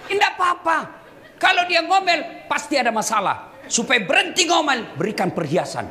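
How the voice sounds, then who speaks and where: High-pitched, animated male preacher. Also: moderate pace. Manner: teasing, joking, addresses listeners directly. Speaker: Islamic preacher. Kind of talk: humorous sermon to an audience. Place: hall with a live audience. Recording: echoey hall with crowd noise.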